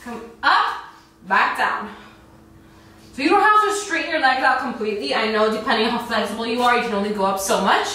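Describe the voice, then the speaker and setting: A woman's voice: on the high side, expressive, a little fast, sharp tone. A young woman giving casual, informal workout instructions, explaining each exercise. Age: young adult. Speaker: fitness instructor. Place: bare white indoor room. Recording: echoey room, distant mic, faint noise.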